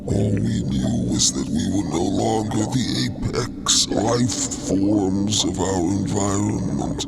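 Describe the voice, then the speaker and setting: An actor voicing an ailing, wistful insectoid alien disciple in an audio drama, with ornate, halting, solemn speech and a gravelly, sometimes breathy voice. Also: male voice, on the low side, full character voice. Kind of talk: audio fiction character acting. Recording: loud music under the voice.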